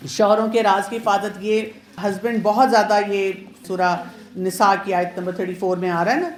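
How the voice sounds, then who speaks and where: A woman's voice: mid-range voice, level tone. A woman pediatrician giving a chatty, advising marriage awareness talk to women, mixing in English words. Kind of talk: informal lecture to women. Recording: roomy echo.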